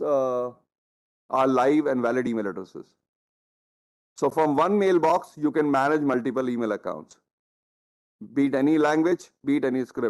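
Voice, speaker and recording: With an Indian accent, the speaker keeps a moderate pace and ordinary pitch variation, taking long, frequent pauses. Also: man. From India, Rajasthan. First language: Hindi. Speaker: tech presenter. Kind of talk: workshop demo.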